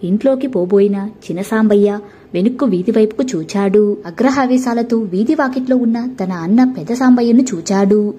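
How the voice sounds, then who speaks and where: A woman narrating a storybook tale in a steady, expressive reading voice. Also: medium pitch, normal speed, slightly rough.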